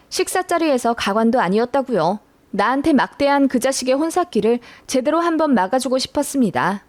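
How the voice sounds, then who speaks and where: Woman narrator, high voice, dry close recording, expressive first-person storytelling. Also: dry recording. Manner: expressive storytelling, indignant retelling. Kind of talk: scripted narration of a listener's story.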